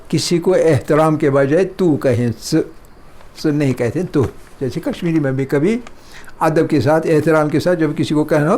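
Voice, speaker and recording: A middle-aged man teaching a Persian lesson, repeating words slowly and explaining them in a mix of Hindustani and English. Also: a little high, a little mellow. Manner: slow, drawn-out repetition of words. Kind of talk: slow classroom lesson.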